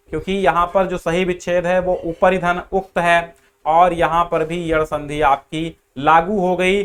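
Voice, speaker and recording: A man's voice: sits high, fairly bright tone, smooth. A man teaching grammar in an online exam-prep class, explaining step by step and repeating the key answers.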